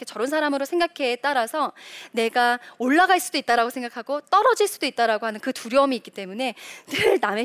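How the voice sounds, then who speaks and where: A middle-aged Christian speaker who used to be a reporter gives an animated, faith-based motivational talk in a slightly high voice. She acts out the voices of people she quotes and keeps putting questions to the audience, many of them rhetorical.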